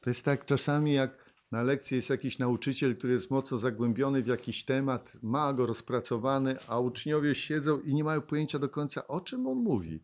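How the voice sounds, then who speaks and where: A man preaching a sermon, reading Bible verses aloud and explaining them. He asks the congregation questions and often laughs, moving from loud exclamations to hushed tones. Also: medium pitch, a little fast, hardly any pauses.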